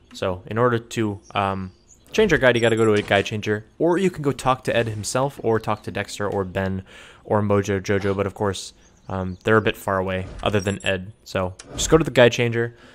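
Fairly quick pace and ordinary pitch variation in a man's plain, everyday voice, pitched fairly low. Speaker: gaming youtuber. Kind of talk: let's play commentary. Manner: casual, many filler words.

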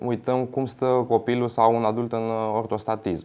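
A man talks at a moderate pace with a Greek accent. The background is quiet. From Greece. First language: Greek (speaking Romanian). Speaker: physiotherapist; guest. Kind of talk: interview. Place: studio. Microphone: lapel.

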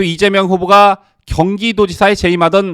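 A man speaks at a fairly slow pace. The sound is dry and close with no echo, on a very clean recording with a silent background. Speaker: news anchor. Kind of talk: news reading. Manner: formal.

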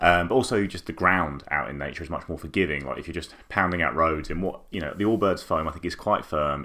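Very fast pace against a quiet background. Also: man. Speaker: running shoe reviewer. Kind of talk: product review talk to camera. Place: home room. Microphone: phone near.

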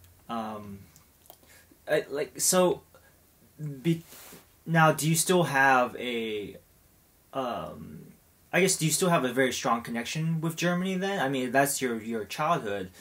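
A man with an American accent at fairly high pitch and fairly slow pace, lively intonation broken by long, frequent pauses. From United States. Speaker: podcast host and film producer; podcast host. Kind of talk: casual interview. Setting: recorded in Seoul. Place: home room.

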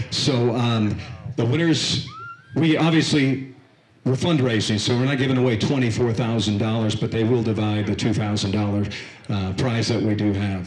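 Amid light background noise and audible room echo, a man talks at a fairly slow pace with ordinary pitch variation. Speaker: event host. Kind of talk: ceremony address to crowd. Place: open country. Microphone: handheld.

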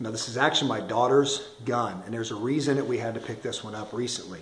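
Audible room echo surrounds a man who talks at a fairly quick pace with ordinary pitch variation. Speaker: gun reviewer. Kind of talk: product review talk. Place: kitchen. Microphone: webcam.

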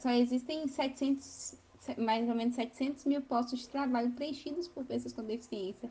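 With a Brazilian accent, a woman speaks at a fairly slow pace in a high, dark and mellow voice with fairly even intonation. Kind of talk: interview. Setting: recorded audio message.

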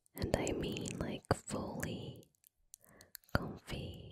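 A woman whispers in a gentle tone. Loud background noise sits behind her. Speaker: ASMR creator. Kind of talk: soft-spoken ASMR comfort talk. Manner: gentle intimate whisper. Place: home room. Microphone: studio mic.

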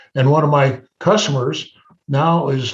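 The man's voice is fairly high and somewhat breathy. He goes at a fairly slow pace with ordinary pitch variation. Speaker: aviation maintenance business owner. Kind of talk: casual chat. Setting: video call. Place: home room. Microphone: video call.

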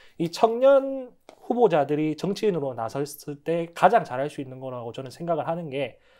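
Against a quiet background, a man talks at a fairly quick pace in a high pitch with a dark, mellow tone. His pitch swings very widely. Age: 20s. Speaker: young party youth spokesperson. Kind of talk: panel discussion. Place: studio. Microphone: lapel.

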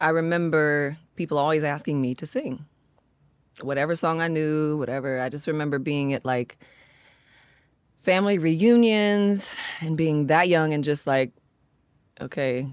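Speaking at a moderate pace with long, frequent pauses, a woman uses a very deep, low pitch and ordinary pitch variation in a dry sound with no echo and a quiet background. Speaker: podcast guest. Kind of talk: interview answer. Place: studio. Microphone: studio mic.

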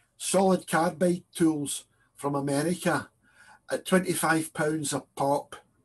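A man with a Scottish accent speaks at a very slow pace and fairly high pitch. His intonation is fairly even, against a quiet background. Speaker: hobbyist club presenter. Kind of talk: presentation.

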